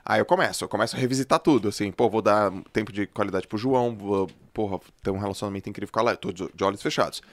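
A man's voice: fairly low pitch, rapid-fire, few pauses, no echo. A middle-aged man hosting a casual podcast chat, laid-back and slangy, telling stories with animation. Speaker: host.

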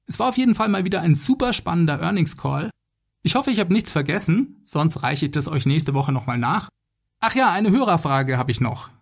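A man's voice: fairly high pitch, expressive, a little fast, creaky. A man hosting a solo podcast, giving semi-scripted commentary in a conversational way, speaking directly to his listeners. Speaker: podcast host.

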